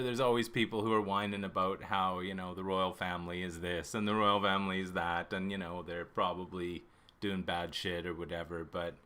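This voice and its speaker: A man of fifty from Canada talks loosely with his stream chat, rambling and restarting his sentences. He swears in nearly every line. His voice is bright and forward, at an ordinary pitch for a man. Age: 50s. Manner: swears constantly, rambling and self-interrupting. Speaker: livestream host. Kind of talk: casual chat with viewers.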